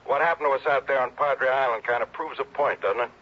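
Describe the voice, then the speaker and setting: A man's voice: medium pitch, quick pace, close to an everyday voice. An actor playing a friendly insurance agent in a 1960s radio drama, bantering with his investigator. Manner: teasing, then earnest. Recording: dull vintage radio broadcast.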